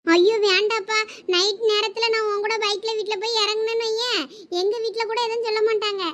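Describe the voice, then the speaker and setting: A woman doing squeaky quarrelsome village women. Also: a bit bright. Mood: annoyed. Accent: Thoothukudi Tamil. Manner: quarrelsome, complaining. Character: bickering young village women and wives. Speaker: cartoon voice actor. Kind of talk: comic cartoon family drama.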